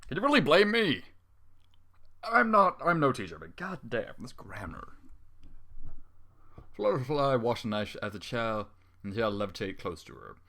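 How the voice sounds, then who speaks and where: A man's voice: mid-range voice, big pitch swings, moderate pace, pauses often, bright, forceful tone. A man reading fan fiction aloud with running commentary, exasperated and sarcastic, swearing often.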